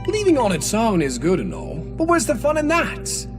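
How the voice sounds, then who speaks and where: Theatrical, wildly swooping trickster demon. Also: male voice, very high-pitched, wildly swooping pitch, exaggerated voice. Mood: playful, gleeful. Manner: theatrical, mock-polite, teasing, drawn-out words. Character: otherworldly trickster demon hedgehog, male, smugly playful, menacing. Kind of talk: comic dub voice acting. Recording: loud music under the voice. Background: music.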